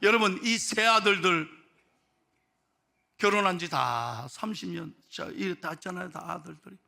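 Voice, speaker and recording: Pastor guy preaching, high gravelly voice, goes quiet then loud. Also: moderate pace. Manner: swings from hushed storytelling to loud exhortation. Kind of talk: sermon. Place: church sanctuary.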